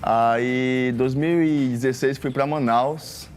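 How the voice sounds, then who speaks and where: A man from Maranhão, a gospel singer guest on a studio talk show, relaxed and casual as he tells his story. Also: medium pitch, slow pace, a little hiss or hum. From Maranhão, Brazil. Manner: relaxed storytelling, uses "galera" and "cara". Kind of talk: casual testimony interview.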